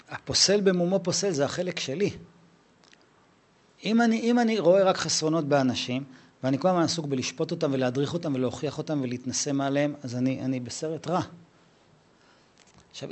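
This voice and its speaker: A middle-aged man teaching Torah to a live audience, animated and conversational, acting out dialogues with a raised voice. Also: fairly high pitch.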